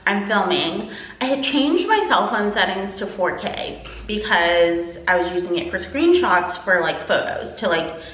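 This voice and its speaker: A woman's voice: mid-range voice, a bit bright, echoey room, low-quality recording. A woman from Texas chatting casually to her vlog camera, rambling with lots of "like" and "um". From Texas, USA. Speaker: vlogger.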